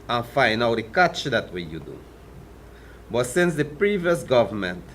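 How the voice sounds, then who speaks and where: A man's voice: mid-range voice, fairly bright tone, a little hiss or hum. A man speaking English with a Guyanese Creole tinge talks as a fisherman on a talk show, plain-spoken and earnest.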